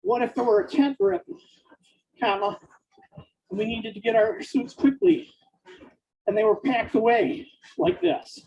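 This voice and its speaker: A husky, gravelly speaker dictates a story slowly, phrase by phrase, naming the punctuation aloud. The pitch swings widely between words and marks. The recording is slightly dull and lo-fi. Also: lively intonation, darkish tone. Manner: halting, delivered in short separated phrases.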